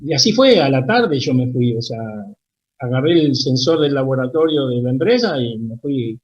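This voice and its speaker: A man's voice: medium pitch, lively intonation, normal speed, lo-fi sound. A man with a Rioplatense accent, a guest engineer, telling stories in a casual interview and quoting the people in them. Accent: Rioplatense Spanish. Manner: anecdotal, quotes people as he tells the story.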